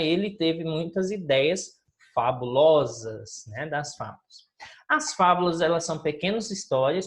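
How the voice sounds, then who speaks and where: A woman teacher, reviewing a recorded lesson and explaining with questions to her pupils. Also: fairly low pitch. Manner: explanatory, asks the listeners questions.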